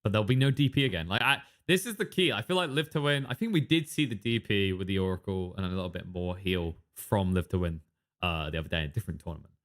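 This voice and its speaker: A man's voice: sits low, animated, a bit bright. A man casting a live esports match, chatting loosely with a co-caster and trailing off into asides. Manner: chatty, quick asides, filler-heavy. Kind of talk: live game commentary.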